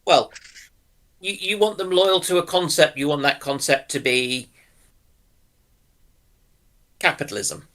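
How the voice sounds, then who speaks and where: A man's voice: fairly high pitch, moderate pace, fairly bright tone. A man taking part as a panelist in an informal discussion, offering examples and opinions.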